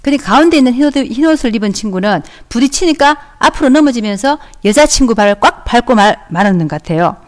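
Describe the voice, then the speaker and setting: Teacher woman with a fairly high voice. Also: lively intonation, fast, few pauses. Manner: warm, encouraging, acts out children's lines. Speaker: elementary school teacher. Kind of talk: audio-only online lesson for children. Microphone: close microphone, audio only.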